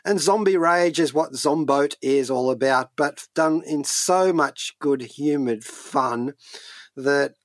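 In a radio studio with no echo, a man co-hosts and reviews in conversational chat, hesitantly repeating words as he goes. His voice is a little high and his pace slow.

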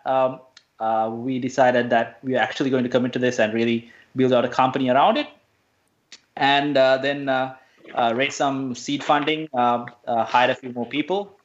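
A man's voice: medium pitch, lo-fi sound. A man from Sri Lanka, a guest on a radio interview, speaking hesitantly with many fillers and restarts.

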